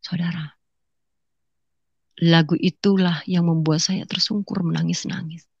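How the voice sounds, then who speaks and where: Woman giving a lively church testimony. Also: on the low side, a little slow, creaky, slightly rough, no room sound, dull audio. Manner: lively storytelling, often addressing listeners as brothers and sisters; acts out quoted dialogue in colloquial slang. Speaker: testimony speaker. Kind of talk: personal testimony to a congregation.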